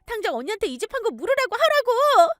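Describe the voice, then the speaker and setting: A woman voicing a whiny, entitled young sister-in-law in a told story, with a shrill, high-strung delivery. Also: sing-song, fast talker, no echo, studio quality, soft background music. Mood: panicked whining.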